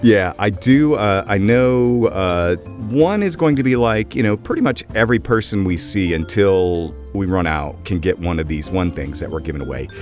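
A man's voice: low voice, moderate pace, hardly any pauses, soft background music. A man co-hosting a podcast, teasing and joking in casual banter. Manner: playful, teasing, lively. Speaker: podcast co-host.

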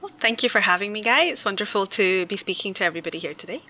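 A woman's voice: mid-range voice, lively intonation, rapid-fire, sharp tone, poor audio. A young woman from Glasgow with a Scottish accent, a podcast guest talking in a friendly, chatty way. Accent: Glaswegian Scottish. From Scotland. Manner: friendly, talkative, laughs easily. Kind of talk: casual interview chat.

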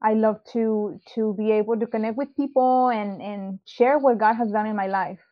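A woman's voice: on the high side, steady tone, moderate pace. A young woman from Mexico, raised in South Texas, giving a casual personal testimony as an interview guest, hesitant and full of ums and likes. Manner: hesitant, many ums and likes, laughs easily. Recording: dull lo-fi sound.

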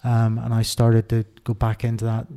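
A middle-aged man with an Irish accent, talking candidly as an interview guest, reflective and halting with many restarts. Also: mid-range voice, completely flat delivery, warm tone.

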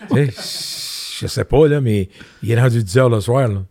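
A man's voice: mid-range voice, unhurried, darkish tone, no room sound, clean studio sound. An older man with a Québécois French accent, a guest giving candid interview answers and telling anecdotes with emphatic repetitions.

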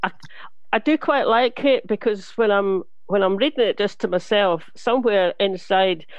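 A radio host from Scotland, talking in a reflective, halting way during a casual interview. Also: mid-range voice, smooth, dry recording. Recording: dry, dull lo-fi sound.

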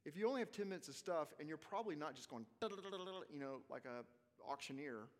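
A man with a Southern US accent answering questions in a casual, halting teaching style, rephrasing as he goes. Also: fairly high pitch, lively intonation. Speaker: preaching teacher leading a question session. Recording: long reverb of a large hall.

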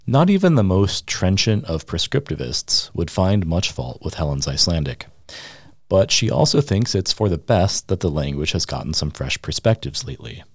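Deep-voiced male feature reporter. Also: very animated, slightly rough, dry recording, studio quality. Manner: measured, reads quotes aloud in the same voice. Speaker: radio reporter. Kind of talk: scripted news feature narration.

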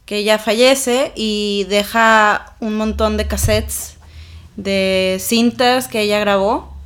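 A young adult woman, co-hosting a podcast in casual, expressive chat that trails off into soft asides. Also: medium pitch, slow. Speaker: podcast co-host.

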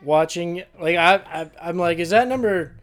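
A man's voice: high-pitched, moderate pace, a bit bright. A man co-hosting a podcast, joking through casual sports talk and reading picks like a mock announcer. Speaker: podcast co-host.

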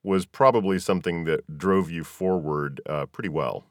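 A man's voice: low voice, moderate pace, no room sound, studio quality. A man hosting a casual interview, responding with encouragement and asking conversational questions. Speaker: podcast host, interviewer.

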